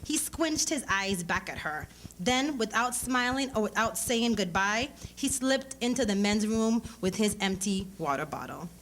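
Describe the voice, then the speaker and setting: An author reads her literary fiction aloud with dramatic flair at a live event, acting out the dialogue in character voices. Her mid-range voice is fairly bright, with lively intonation and a slightly slow delivery, and the recording is clearly noisy.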